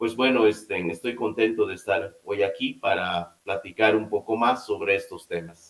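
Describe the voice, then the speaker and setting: A man with a Yucatán accent talks at a fairly low pitch with hardly any pauses. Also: ordinary pitch variation, moderate pace. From Yucatán, Mexico. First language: Yucatec Maya (speaking Spanish). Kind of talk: interview.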